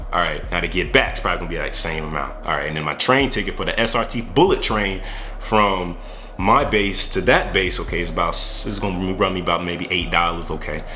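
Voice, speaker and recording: Amid audible room echo and noticeable background noise, a man rattles off his words at a very fast pace. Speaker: army officer and vlogger. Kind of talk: casual vlog advice. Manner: animated.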